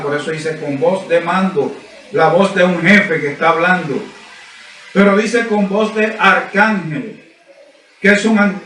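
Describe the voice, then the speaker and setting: A man preaches a sermon in a high, ringing voice. He builds his points through emphatic repetition and rhetorical questions to the congregation. The sound is roomy and echoing, caught by a mic some distance away. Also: fairly bright tone, a little hiss or hum. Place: church service.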